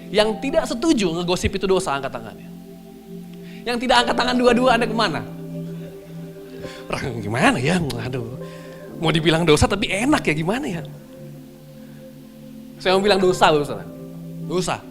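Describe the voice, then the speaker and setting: A young man, a pastor, preaching a sermon and telling a story to his congregation in a lively way. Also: high-pitched, a little fast, long pauses. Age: young adult. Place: church hall. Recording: with clear music behind.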